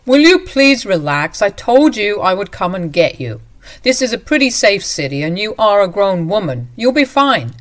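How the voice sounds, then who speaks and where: A woman's voice: mid-range voice, big pitch swings, moderate pace, close to an everyday voice. A woman voicing a stubborn, dismissive husband who brushes off complaints impatiently, raised and insistent. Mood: irritated.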